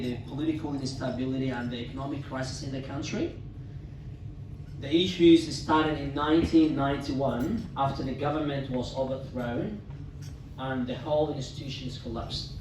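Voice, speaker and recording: A man from Somalia in his thirties, giving a prepared, formal talk as a guest speaker at a club dinner, with measured delivery and occasional restarts. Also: medium pitch, recorded from a distance, a little hiss or hum. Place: club meeting room. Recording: echoey hall, speaker away from mic.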